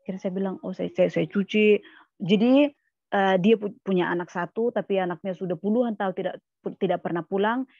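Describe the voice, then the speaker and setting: A woman guest speaker at a church service tells a personal story as a testimony sermon, in a plain, repetitive style. She often restarts phrases and quotes other people. Her voice is medium-pitched, fast and a little mellow, in a muffled recording without room sound.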